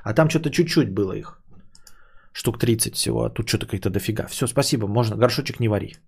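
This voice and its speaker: A man's voice: on the low side, quick pace, gravelly, husky. Man, podcast host, casual solo chat, rambling, jokey, playfully mangled words.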